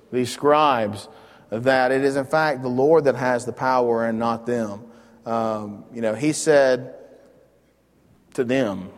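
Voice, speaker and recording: A man leading an informal Bible study, earnest and conversational, thinking aloud as he explains a passage. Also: mid-range voice. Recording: long hall reverb.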